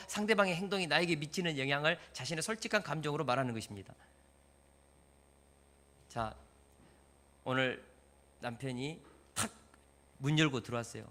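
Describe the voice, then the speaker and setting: Pastor guy preaching, bright voice, kinda high, keeps asking the room questions. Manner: lively, asks the congregation questions and acts out example dialogues. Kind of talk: sermon.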